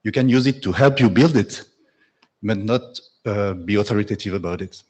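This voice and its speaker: A man with a French accent making a measured, reasoned comment from the floor at a conference. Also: fairly low pitch, darkish tone, breathy edge. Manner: measured, reasoned argument with brief apologies. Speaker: audience member commenting at the microphone. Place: conference hall.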